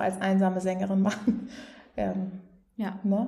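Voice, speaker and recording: Somewhat breathy, a woman speaks at a medium pitch with a dark, mellow tone. Audible room echo is present. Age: 30s. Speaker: singer and vocal coach. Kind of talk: casual interview.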